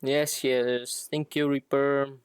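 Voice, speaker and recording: A man's voice: medium pitch, little pitch movement, takes it slowly, clear, resonant tone, no room sound, studio quality. A man chatting casually and a little hesitantly to viewers while live streaming a game.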